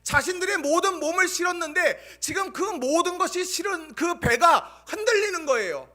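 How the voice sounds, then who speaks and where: A man preaching in a church sanctuary, his voice pitched unusually high and ringing bright. He moves from loud, emphatic proclamations to near-whispered asides as he builds his sermon. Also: expressive, moderate pace. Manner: preaches with dramatic swings between loud proclamations and hushed asides. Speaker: pastor.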